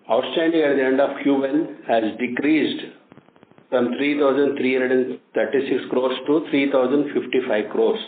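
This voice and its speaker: A man with an Indian accent formally reading out financial figures as an executive on a company earnings call, now and then stumbling over numbers. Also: mid-range voice. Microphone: phone conference line. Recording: tinny phone line, echoey, faint noise.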